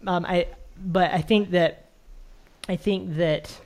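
A man's voice: high voice, steady tone, slow, darkish tone, a little hiss or hum. A man hosting a casual conversation, talking in a thoughtful, reflective way with frequent restarts. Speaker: podcast host.

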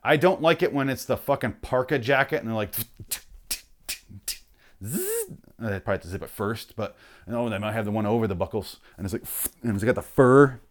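Man, swearing comedic ranter, mock outrage, mid-range voice going hoarse. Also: medium pitch. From Michigan. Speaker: vlogger ranting on camera. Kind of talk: profane comedic rant.

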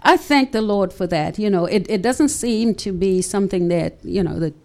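A woman's voice: mid-range voice, normal speed, vocal fry, a little mellow. An older woman hosting a Christian radio talk show in a studio, with preacherly praise interjections.

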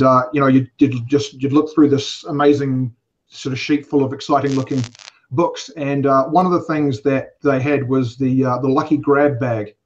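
A man in his forties from England, raised in New Zealand, with an English accent tinged by New Zealand, talking as a guest in a casual podcast interview, rambling with many fillers and wry asides. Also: medium pitch. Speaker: convention organizer, guest. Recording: dull lo-fi podcast audio.

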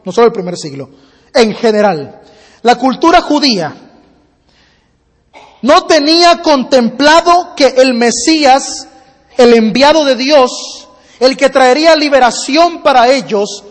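A man preaching a sermon and telling a parable, using rhythmic repetition that builds slowly, in a church hall. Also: very high voice. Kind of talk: sermon with storytelling. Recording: long hall reverb.

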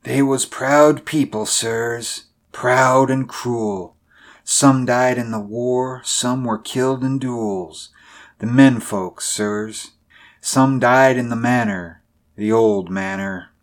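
An ancient, fearful old man from a Southern tale, as a male narrator plays him. He mutters in a mellow voice and rambles slowly, as if his mind drifts toward mumbling. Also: mid-range voice, fairly even intonation, lightly acted. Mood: brooding, muttering.

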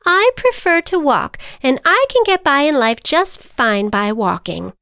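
Storybook figure: a high-strung, defensive butterfly girl, voiced by a woman, pitched up, dry close sound. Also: wildly swooping pitch, measured pace, bright, forceful tone, dry recording, heavily acted. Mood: fretful. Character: timid, prim female butterfly afraid to fly.

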